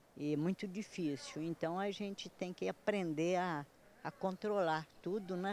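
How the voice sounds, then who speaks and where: A woman's ordinary speaking voice at medium pitch, with ordinary pitch variation and a fairly slow pace. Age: 60s. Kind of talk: interview testimony.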